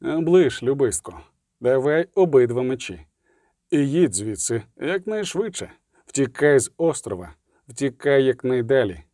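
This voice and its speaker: A man's voice: medium pitch, very animated, a little slow, warm tone, no room sound. A man voicing a grim middle-aged male witcher who speaks curt and dry.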